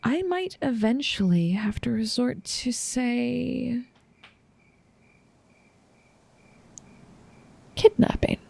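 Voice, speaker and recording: A woman playing an obsessive, smug assassin smitten with her target, speaking in a teasing, formal, measured and menacing way in an intimate audio roleplay. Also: fairly high pitch, vocal fry, darkish tone, slightly rough, full character voice. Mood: softly threatening.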